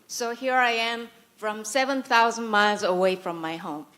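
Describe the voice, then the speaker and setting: A woman's voice: fairly high pitch, steady tone, normal speed, fairly bright tone. A woman from South Korea, a native Korean speaker, delivering a prepared conference speech in Korean-accented English, full of dry, sarcastic humor and mock-serious asides.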